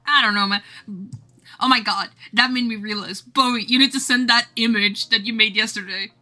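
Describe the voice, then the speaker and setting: A woman streaming casually to her viewers in a giggly, rambling, animated and teasing way as she works on art. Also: fairly high pitch, moderate pace, soft background music. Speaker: streamer drawing game art live. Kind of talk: casual livestream chat with viewers.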